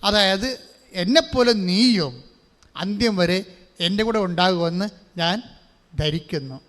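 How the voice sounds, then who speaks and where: High-voiced male preacher in a reverberant hall. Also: measured pace, a bit bright. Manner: asks the congregation questions and has them repeat verses; mixes English phrases into his talk. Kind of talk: sermon with call-and-response. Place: large church hall.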